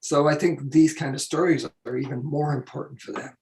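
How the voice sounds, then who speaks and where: A man illustrator telling stories on a panel, hoarse and losing his voice, speaking casually. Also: a little high, fairly even intonation, a little fast, a little mellow.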